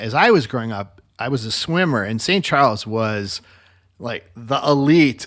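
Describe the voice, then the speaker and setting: A man with a Midwestern accent, ordinary pitch variation, and a very clean recording with a silent background. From US Midwest, north suburbs of Chicago. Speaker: podcast host, venture capitalist. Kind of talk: casual interview.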